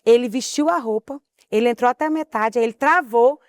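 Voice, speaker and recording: A woman tells a school story on a podcast, lively and full of quoted dialogue. Her voice is high. The recording is dry and close. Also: fairly quick, no room sound. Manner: animated storytelling, quotes others. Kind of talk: casual chat.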